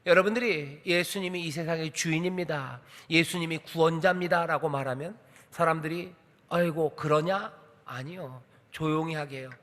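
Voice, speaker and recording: Male pastor, high bright voice, emphatic sermon delivery, echoing church hall. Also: a little fast. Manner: emphatic preaching with rhetorical questions. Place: church sanctuary.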